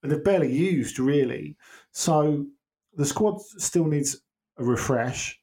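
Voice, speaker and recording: A man's voice: fairly high pitch, takes it slowly, warm tone. Man, football pundit, hesitant, frequent restarts, casual podcast chat. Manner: hesitant, many restarts and ums.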